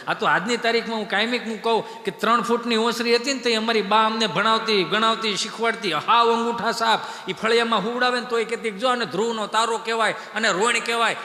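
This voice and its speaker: Brief: male stage comedian, piercing bright tone, booming stage hall. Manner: animated, shouts punchlines, laughs mid-sentence. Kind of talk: live folk comedy storytelling. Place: live stage show. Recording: echoey live stage hall.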